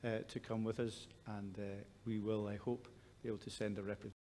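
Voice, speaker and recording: A man chairing a church assembly, thanking speakers with many filler pauses. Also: lowish voice, little pitch movement, mellow, a little hiss or hum. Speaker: assembly moderator. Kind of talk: formal chairing of a meeting. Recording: reverberant hall with faint ambience.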